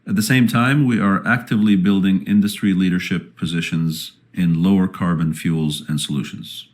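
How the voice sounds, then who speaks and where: A man speaking as a company executive, reading a scripted earnings presentation in a formal, measured manner. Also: low voice, fairly even intonation.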